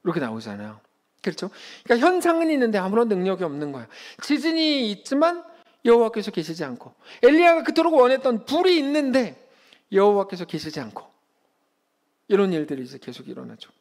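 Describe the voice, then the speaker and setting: A male pastor in his thirties delivers a conversational sermon, with a fairly high voice that swings widely in pitch. His voice has a gravelly edge, and he acts out the lines he quotes. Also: fast talker. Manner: animated, conversational preaching with acted-out quotes.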